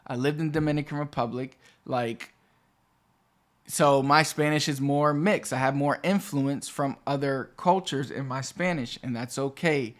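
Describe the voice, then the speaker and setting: Man teaching spanish to camera, chatty, wanders off topic, mid pitch. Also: a little slow. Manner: chatty, digressive, restarts phrases. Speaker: Spanish teacher and channel host. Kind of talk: explaining a language lesson to camera.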